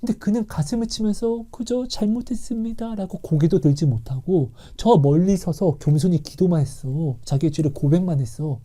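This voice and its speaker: A man's voice: on the high side, moderate pace, hardly any pauses, warm tone. Earnest man giving a faith testimony. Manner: earnest, emotional, acts out dialogues. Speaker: Christian testimony speaker. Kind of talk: personal faith testimony and counseling.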